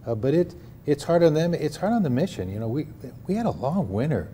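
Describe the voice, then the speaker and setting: A man's voice: on the high side, big pitch swings, a little fast, warm tone, slight background noise. An older man, a pastor at a homeless mission, talking earnestly in a live TV news studio interview with a Midwestern American accent, often repeating words as he restarts.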